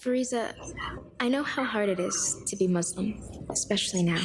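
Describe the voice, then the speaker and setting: A woman's voice: medium pitch, normal speed, background noise, close to an everyday voice. An actress playing an earnest, confessional teenage Somali Muslim girl in a school TV drama. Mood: hurt, earnest. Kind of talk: scripted TV drama acting. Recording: music under TV drama dialogue.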